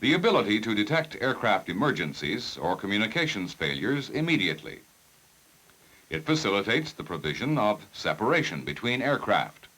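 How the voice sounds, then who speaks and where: A man reading scripted technical narration for a 1960s instructional film in a formal, measured, precise manner. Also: fairly low pitch, big pitch swings, bright, forceful tone, low-quality recording.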